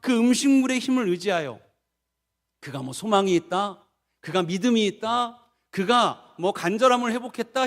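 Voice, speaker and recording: A middle-aged man preaching a sermon as pastor, asking the congregation questions and acting out the prayers he quotes in a low, soft voice. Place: church sanctuary. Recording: long church reverb.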